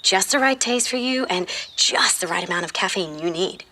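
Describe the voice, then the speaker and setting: A woman's voice: medium pitch, expressive, normal speed, background noise, lightly acted. A woman playing a casual, tech-keen teenage daughter in an audio drama, with a youthful way of talking. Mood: casual, chirpy.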